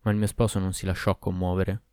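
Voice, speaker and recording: A man reading a classic tale aloud in a measured, expressive way. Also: low-pitched, clear, resonant tone, no echo, clean studio sound. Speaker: narrator.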